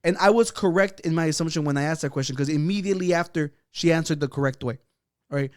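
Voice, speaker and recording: A man's voice: on the high side, fast talker. A man co-hosting a podcast, making his point insistently in casual chat and repeating words when interrupted. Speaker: podcast co-host.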